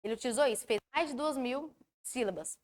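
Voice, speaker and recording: Speaking a little fast and a little high, a study mentor with a Brazilian Portuguese accent delivers an online lecture. She is animated in her explanations and keeps asking her listeners questions.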